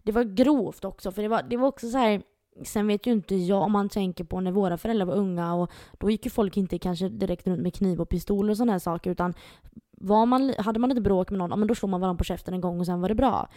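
A young woman on a podcast, telling a story casually and animatedly and acting out the voices she quotes. Her tone is dark and mellow, and the recording is close and dry, with no room sound. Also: mid-range voice, no echo. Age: young adult. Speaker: podcast co-host.

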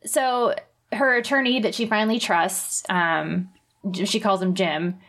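A woman's voice: mid-range voice, fairly even intonation, unhurried, a bit bright. A young woman co-hosting a podcast, retelling a story in a chatty way with lots of fillers and laughs. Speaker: podcast co-host. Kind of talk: casual chat, retelling a memoir.

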